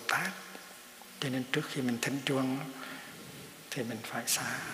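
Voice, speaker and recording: Noticeable background noise under a man's medium-pitched voice. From Vietnam. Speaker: Buddhist monastic teacher. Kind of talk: dharma talk for children. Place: hall.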